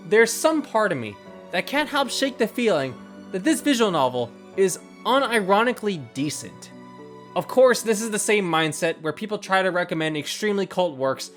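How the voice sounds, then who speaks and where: A man hosting a video essay, reading scripted narration in a measured, reflective way over opinions and recollections. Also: high-pitched, fairly bright tone. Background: background music.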